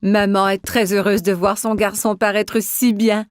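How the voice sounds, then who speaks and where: A woman's voice: medium pitch, little pitch movement, a little slow, clear, resonant tone, no echo, studio quality. A woman reading scripted narration for a children's cartoon story.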